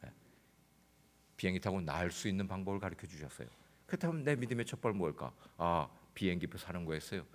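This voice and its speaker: A man preaching a sermon as pastor, telling a comic story that swings between loud outbursts and hushed, intense passages. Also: low-pitched, big pitch swings, brisk. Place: church sanctuary.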